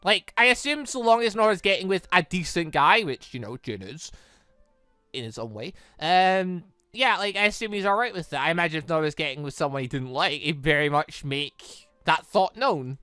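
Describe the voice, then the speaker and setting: A gaming host with a bright, lively voice that swings widely in pitch. The delivery is casual and rambling, full of animated exclamations. The sound is close and dry, with music underneath. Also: normal speed, clear, resonant tone, no room sound. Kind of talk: casual playthrough commentary, reading visual novel dialogue aloud.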